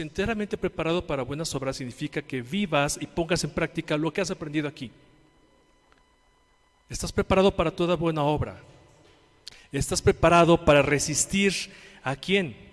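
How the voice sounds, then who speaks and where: Mexican male pastor, mid-range voice, preaches with questions, loud then hushed, long church reverb. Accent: Mexican Spanish. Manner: preaching with rhetorical questions and call-and-response; swings between loud emphatic lines and quiet low ones. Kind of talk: sermon.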